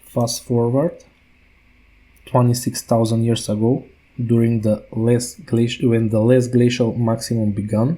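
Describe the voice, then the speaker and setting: A man with a non-native accent speaks at a fairly slow pace in a medium pitch, his tone dark and mellow. His intonation is monotone and flat, and his loudness stays very even. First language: not English. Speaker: YouTuber, alternative science commentator. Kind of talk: video monologue presenting evidence. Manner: halting, with self-corrections.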